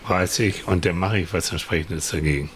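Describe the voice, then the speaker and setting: A man co-hosting a podcast, talking in a thoughtful, halting way and repeating words as he searches for them. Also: low-pitched, fairly bright tone, breathy edge. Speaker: podcast co-host. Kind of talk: casual conversational chat.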